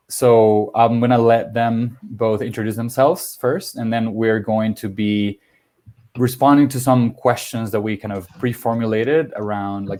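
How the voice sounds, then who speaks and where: A man from Venezuela, a native Spanish speaker, moderates a panel in a fairly low voice. His delivery is conversational and halting, with phrases often started over. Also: a little mellow.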